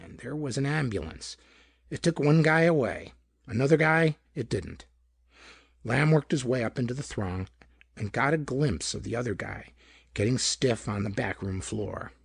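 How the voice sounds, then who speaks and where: A man narrates hardboiled crime fiction like an audiobook, his voice rough with fry and husk. His pitch swings expressively as he tells it dramatically. The sound is close and dry. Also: no echo. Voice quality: gravelly, husky. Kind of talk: scripted narration of hardboiled pulp detective fiction.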